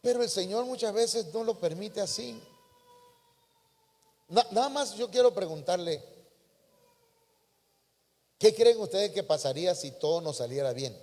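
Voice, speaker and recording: Folksy pastor in a reverberant hall. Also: male voice, high-pitched, measured pace, long pauses, darkish tone. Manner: folksy, addresses listeners as brother. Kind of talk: sermon.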